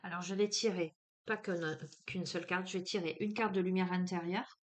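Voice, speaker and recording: A woman's voice: lowish voice, steady tone, moderate pace. Woman, southern French accent, oracle card reader, hesitant with fillers, enthusiastic. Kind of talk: spiritual card reading.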